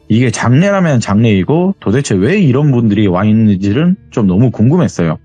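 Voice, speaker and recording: A man's voice: mid-range voice, dry recording. A young man acting as a guest storyteller, who tells a true horror story in a casual way and acts out the dialogue. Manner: animated, acts out quoted dialogue.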